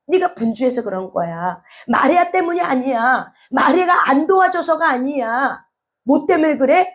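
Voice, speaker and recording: A woman pastor preaching a sermon, asking the listeners questions and rising to shouts at times. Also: sits high.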